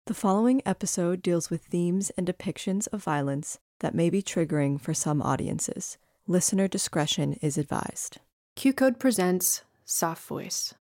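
Calm female podcast announcer. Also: fairly low pitch, dry recording, clean studio sound. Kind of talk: scripted announcement.

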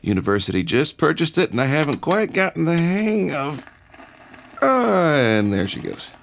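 Nervous young prof, gravelly low voice, bouncy, lots of uhs, faint music. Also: male voice, very animated, moderate pace, a bit bright, a little hiss or hum, full character voice. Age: young adult. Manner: hesitant, fumbling, full of uhs. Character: young male anthropology professor, eager, nervous. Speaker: professor.

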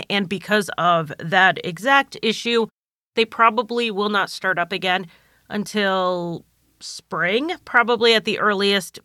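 A woman hosts her podcast solo, talking to listeners in a chatty, organized way. She sounds slightly stuffy and nasal from a cold, with a bright, clear tone. The recording is dry and close, with almost no room sound. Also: medium pitch, dry recording. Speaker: podcast host. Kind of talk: casual solo podcast monologue.

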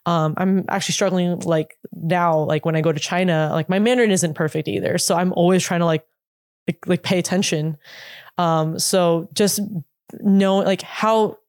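A woman in her late twenties speaks casually in a slightly low voice, recorded close and dry. She wanders through her answers with many fillers and restarts. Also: fairly even intonation, darkish tone, no echo. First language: English. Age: 20s. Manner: halting, full of "like" and restarts. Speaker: interview guest, former K-pop idol. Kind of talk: casual interview talk.

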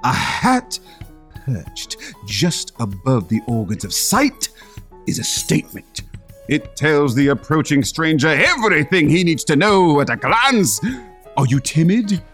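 An actor playing a pompous, flamboyant hat connoisseur in a comedic radio play, savoring each phrase theatrically. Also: male voice, on the high side, sing-song, a little slow, fairly bright tone, soft background music.

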